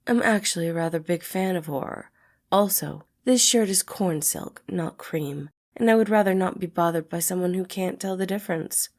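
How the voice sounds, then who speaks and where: An aloof, guarded businessman from a storybook, played by a woman. His delivery is measured and formal, dripping with dry sarcasm, in a slightly low female register. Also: darkish tone. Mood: haughty, sarcastic. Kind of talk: acted storybook dialogue in fan fiction reading.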